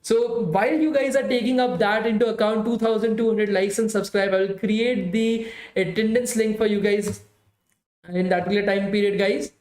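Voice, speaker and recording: A tired man runs a live bootcamp class, his voice strained after hours of talking. He speaks in a high register, chatty and repetitive, always calling his students "guys". The room around him has a noticeable echo. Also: fairly even intonation, moderate pace, a little mellow. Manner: chatty, repeats "guys" often, pleads for likes. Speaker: bootcamp instructor. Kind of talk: live-streamed coding class wrap-up.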